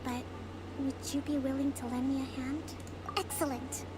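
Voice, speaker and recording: An actress playing a calm, dignified young priestess and strategist in a video game, speaking in a measured, formal way. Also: female voice, high voice, background noise, natural voice. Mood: composed, earnest. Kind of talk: scripted video game voice acting.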